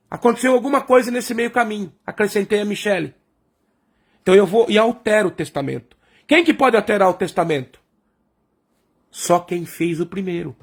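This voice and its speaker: A man's voice: high voice, creaky, husky. A man preaching a sermon, who asks questions and answers them himself and keeps calling the congregation brothers. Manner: explains by asking and answering his own questions; addresses the congregation as brothers and sisters.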